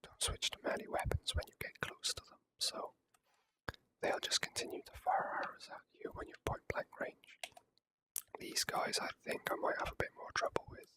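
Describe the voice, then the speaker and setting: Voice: normal speed, rough recording. Whispering ASMR gamer. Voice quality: soft unvoiced whisper. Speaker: gaming video creator. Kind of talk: ASMR whispered game commentary.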